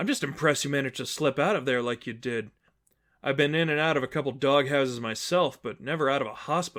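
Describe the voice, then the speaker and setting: A man speaks in a put-on character voice, raspy and fairly high in pitch. He goes at a very fast pace with ordinary pitch variation. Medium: read story. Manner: casual, joking.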